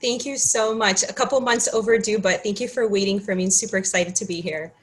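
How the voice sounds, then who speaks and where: A woman's voice: mid-range voice, a little fast, rough recording. A woman in her thirties from Ukraine, a pharmacist guest chatting in an interview, earnest and given to restarts. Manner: earnest, restarts often, many "you know"s. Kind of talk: casual interview chat.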